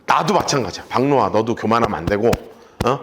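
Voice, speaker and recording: A male pastor giving an animated, joking, conversational sermon and telling listeners what to note in their Bibles. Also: mid-range voice, quick pace, background noise. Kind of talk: sermon with Bible study notes.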